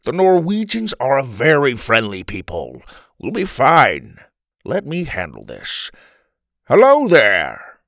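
Man acting an old grandfather, genial, confident, unhurried, explanatory, lively storybook character. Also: mid-range voice, gravelly, dry recording, studio quality, voice pushed up, exaggerated voice. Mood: reassuring. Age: older.

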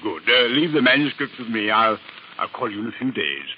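Actor as a fussy shady dealer, muffled radio. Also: male voice, on the low side, animated, brisk, loud music behind the voice, close to an everyday voice. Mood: cagey, calculating. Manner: formal, hesitant, repeats his words. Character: fussy, cautious, shady male art dealer. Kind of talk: 1940s radio drama acting. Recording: muffled, faintly noisy old radio recording.

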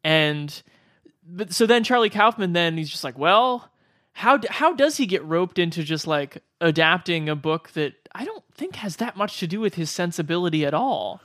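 Higher-voiced man analysing films, dry sound. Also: animated, normal speed, a bit bright, no room sound. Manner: discursive, thinking aloud. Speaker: podcast co-host discussing films. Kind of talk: casual analytical film discussion.

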